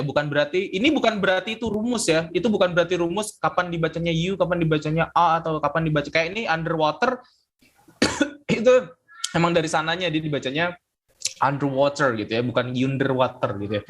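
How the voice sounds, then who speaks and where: A young Indonesian man teaching English pronunciation to a class, relaxed and joking, having students repeat words after him. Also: fairly high pitch, fast.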